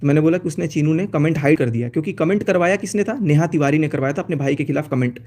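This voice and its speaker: On a phone live stream, a man with a fairly high, slightly mellow voice speaks very fast. He reads out chat messages in casual fashion while laying out his side of things in an aggrieved, accusing tone.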